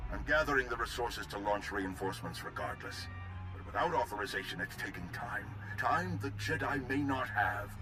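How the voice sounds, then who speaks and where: A man playing a grave, deep-voiced general. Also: lightly acted, poor audio. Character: grave, measured male military general. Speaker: Republic general. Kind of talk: video game cutscene dialogue. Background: orchestral score.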